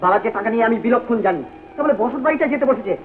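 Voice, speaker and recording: An actor playing an excitable young husband who talks in quick, fussy exclamations, in a vintage film drama. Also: male voice, very high voice. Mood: excited. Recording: tinny lo-fi old film sound.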